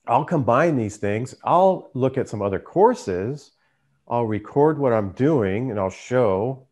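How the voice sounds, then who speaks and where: A man's voice: on the low side, darkish tone. A man who hosts a trading channel, telling his story in a casual, conversational way. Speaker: trader and YouTube channel host.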